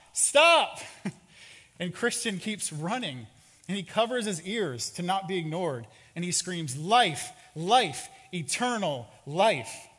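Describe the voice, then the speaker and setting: A man's voice: on the high side, a bit bright. A man preaching a sermon as a pastor, telling a story and acting out its characters' lines. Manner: storytelling with acted-out quotes. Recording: long hall reverb.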